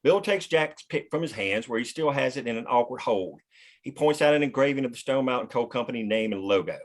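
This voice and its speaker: A man's voice: medium pitch, expressive, a little fast. A man reading out scripted action lines as the narrator of a screenplay table read. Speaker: stage directions reader directing the read.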